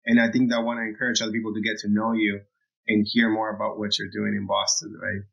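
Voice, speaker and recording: A man's voice: lowish voice, completely flat delivery, quick pace, vocal fry, a bit bright, muffled recording. A man hosting a podcast conversation, often repeating words and restarting as he talks. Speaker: podcast host.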